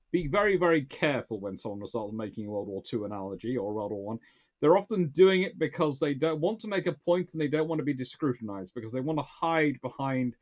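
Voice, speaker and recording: A British man in his thirties, talking casually about history and politics in a small study, rambling with many restarts. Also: medium pitch. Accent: British English. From United Kingdom. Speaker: naval historian answering viewer questions. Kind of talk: casual explanatory talk. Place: small study lined with bookshelves, indoors. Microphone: webcam-style framing at desk.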